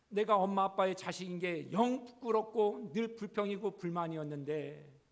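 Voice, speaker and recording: High-voiced earnest male preacher. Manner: earnest preaching, rising in emphasis, asks rhetorical questions. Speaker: pastor. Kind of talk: sermon.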